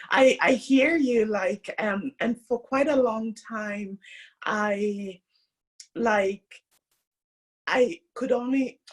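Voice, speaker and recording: A chatty woman from Kenya hosting a podcast, her talk full of filler words. Her voice is slightly husky and breathy, at an ordinary pitch for a woman. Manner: chatty, many "like" and "you know" fillers. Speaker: podcast host. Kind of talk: casual conversation.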